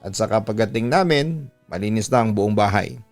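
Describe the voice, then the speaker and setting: A man's voice: on the low side, expressive, moderate pace. A man reads a first-person story as dramatic scripted narration, like a radio storytelling host. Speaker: radio storytelling host reading a listener's letter. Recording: background music under the voice. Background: music.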